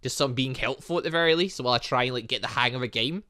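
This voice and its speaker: A gaming video host giving excitable, rambling let's play commentary, often breaking off mid-sentence with mild exasperation. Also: mid-range voice, fast.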